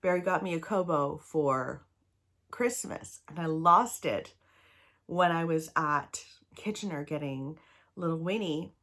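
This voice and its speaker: A woman's voice: low-pitched, unhurried, fairly bright tone. A woman in her thirties from Canada, talking casually to camera about books she wants to read; she rambles in a chatty way, sounds a little tired, and is slightly snuffly from a cold. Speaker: book vlogger.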